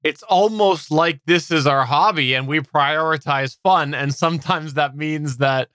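A man's voice: fairly high pitch, measured pace, fairly bright tone, dry recording. A man co-hosting a podcast, chatting casually with dry humor. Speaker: podcast co-host.

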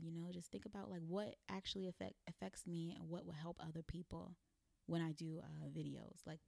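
A woman's voice: sits low, vocal fry, dry recording. A woman in her twenties, from the American South, talking candidly as a guest in a casual chat, with plenty of "like" fillers. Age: 20s. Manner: relaxed, candid, lots of "like" fillers. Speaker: guest blogger and content creator.

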